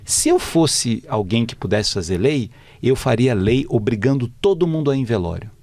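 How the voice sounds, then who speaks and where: A man's voice: medium pitch, very animated, moderate pace, a little mellow, voice pushed up. A man voicing an earnest, talkative male mourner who cries at wakes, in a plaintive, questioning way. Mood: eager.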